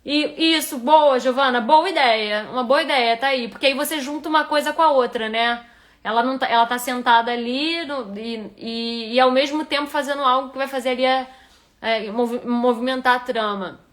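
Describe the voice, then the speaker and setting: A woman's voice: sits high, moderate pace, fairly bright tone. Woman with a carioca accent critiquing. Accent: Rio de Janeiro Portuguese. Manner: thinks aloud, frequent restarts. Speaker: writing instructor. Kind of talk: live-stream manuscript critique.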